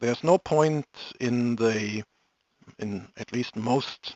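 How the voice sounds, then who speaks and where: A man's voice of medium pitch with ordinary pitch variation. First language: not English. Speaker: hobby electronics video host. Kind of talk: live stream chat with viewers. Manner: halting, many fillers.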